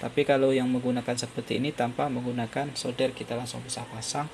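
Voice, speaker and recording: A man's voice: medium pitch, level tone, fast talker, creaky, slight background noise. A man narrates a hands-on repair tutorial, explaining step by step and repeating his points. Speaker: phone repair tutorial presenter.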